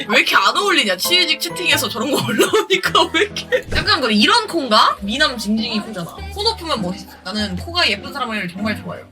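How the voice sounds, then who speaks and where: A young woman in her twenties chatting on a live stream in an animated, laughing, blunt and joking manner. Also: fairly high pitch, recorded from a distance. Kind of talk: casual live-stream chat.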